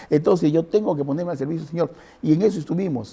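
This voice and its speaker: A man's high-pitched voice, dark and mellow in tone, with ordinary pitch variation. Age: 60s. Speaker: bishop, pastor. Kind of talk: interview testimony.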